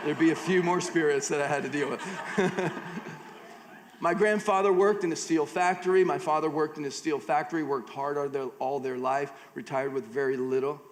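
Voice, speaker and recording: A man's voice: fairly high pitch, fairly even intonation, moderate pace, a little hiss or hum. A middle-aged American man preaching a conversational sermon at a church conference, slipping joking asides between scripture readings. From United States. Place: large church auditorium. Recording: long hall reverb.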